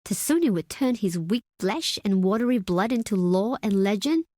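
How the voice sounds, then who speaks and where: A woman's voice: mid-range voice, animated, normal speed, darkish tone, no room sound, studio quality, lightly acted. A woman playing a proud, stern tribal deputy leader in a video game, speaking in a solemn, formal, imperious way. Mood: scornful. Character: proud, stern desert tribe woman, second-in-command, wary of outsiders. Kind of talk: dramatic video game character acting.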